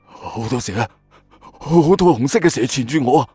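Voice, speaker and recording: A man's voice: medium pitch, expressive, moderate pace, dark tone, slightly rough, no room sound, faint music behind. A man voicing a terrified, delirious soldier in a horror story, pleading in panic. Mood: delirious terror. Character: terrified delirious male soldier babbling about snakes.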